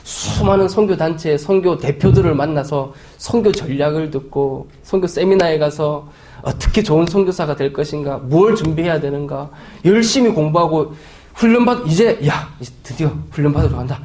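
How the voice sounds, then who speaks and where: A man in his forties, a missionary pastor, preaching a sermon with lively, anecdotal storytelling and acted-out voices. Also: a little high, a little fast, slight background noise. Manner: animated storytelling, acting out quoted voices.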